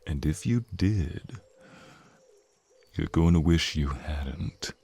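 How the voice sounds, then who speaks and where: A man voicing a gruff, protective white dragon brother in an ASMR roleplay, talking bluntly. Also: extremely low pitch, lively intonation, slow, mellow, dry recording, pitched below the performer's own voice, full character voice. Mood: threatening.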